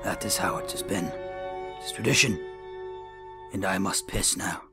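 A man's voice: sits low, a little slow, creaky, pitched below the performer's own voice. A man voicing a pompous, absurdly grave fantasy sage in a comedic parody. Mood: solemn. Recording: loud music under the voice.

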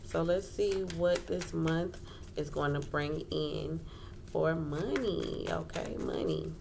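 A woman's voice: low-pitched, expressive, takes it slowly. A woman giving a casual tarot reading as host, talking informally, repeating phrases and checking in often. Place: indoors at a wooden table. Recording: clearly noisy home recording.

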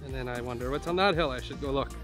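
A man narrating his own jungle hike for a travel vlog, chatty and full of dry jokes as he talks to himself. His voice sits at an ordinary middle pitch. It is picked up outdoors on a handheld camera with faint music under it. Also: fast talker. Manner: joking, chatty, talks to himself while hiking. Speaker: travel vlogger. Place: outdoors in rainforest on a hiking trail.

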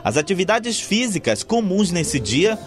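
Male Brazilian TV reporter, thirties, high register, scripted narration over loud music. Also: sing-song, unhurried. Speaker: TV news reporter. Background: loud festival music.

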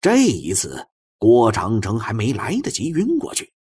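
Male audiobook narrator for suspense fiction: low, very raspy voice, theatrical, swinging from hushed to forceful. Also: wildly swooping pitch, measured pace.

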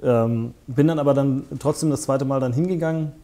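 Man in his forties, dark voice, halting interview guest with many fillers and restarts. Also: mid-range voice. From northern Germany. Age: 40s. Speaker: interview guest, festival founder. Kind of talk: conversational interview. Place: small studio set with armchairs. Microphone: lapel mic.

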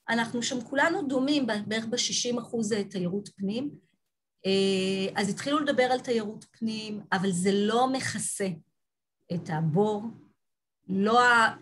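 A woman giving an online lecture from slides on a video call, talking thoughtfully with frequent restarts and pauses. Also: medium pitch, fairly bright tone. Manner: thoughtful, halting, many restarts.

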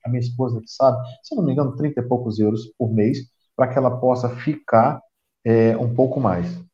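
A man with a Brazilian Portuguese accent, middle-aged and from Brazil, talks casually as a guest on a video call, explaining at length with repeated restarts. His medium-pitched, mellow voice moves fairly quickly with fairly even intonation. The audio is roomy and dull.

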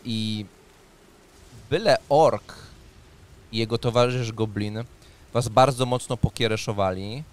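A man's voice: mid-range voice, slow pace, pauses often, smooth. A man in his thirties narrating as game master and giving rulings in a tabletop role-playing session. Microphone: studio mic on a boom arm, close.

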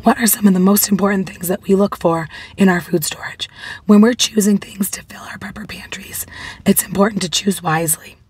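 A woman's voice: steady tone, fairly quick, a little mellow. A woman in her forties who has lost her voice, whispering a vlog to camera from inside a parked car. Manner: breathy whisper, friendly pitch to viewers. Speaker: prepping vlogger. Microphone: phone camera at arm's length.

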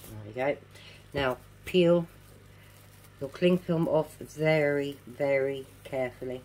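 A woman's voice: rumbling low, slow pace, darkish tone, low-quality recording. A middle-aged woman with toothless, slightly slurred articulation, giving a casual step-by-step craft demonstration and repeating key steps as she instructs. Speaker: craft tutorial presenter. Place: indoors at a home craft table.

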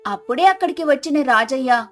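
A woman's voice: sits high, animated, brisk. A woman reading scripted story narration. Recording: music behind the voice.

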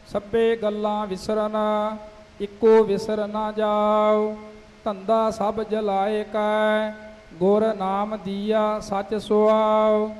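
A man reciting scripture in a steady sing-song chant, line by line, with faint music behind him. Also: high voice, extremely slow, long reverb tail.

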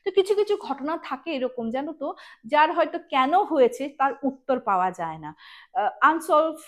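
A woman's voice: sits high, expressive, a little fast. A woman hosting a ghost story show, telling tales informally and chattily, addressing listeners directly and mixing in English words.

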